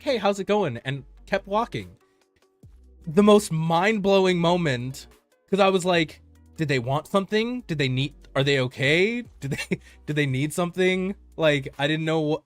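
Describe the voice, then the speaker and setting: A man from the Los Angeles area chats easygoingly on a stream, encouraging his co-host and drifting into a relaxed story full of fillers. Faint music sits under his voice. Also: fairly high pitch, dry recording. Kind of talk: casual chat and storytelling.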